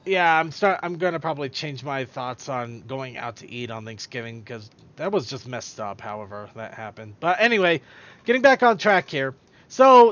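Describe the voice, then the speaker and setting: This podcast host is a man with a high, fairly bright voice who rambles through casual talk, tripping over his own words. The close, dry stream sound has no echo and a slightly dull, lo-fi quality.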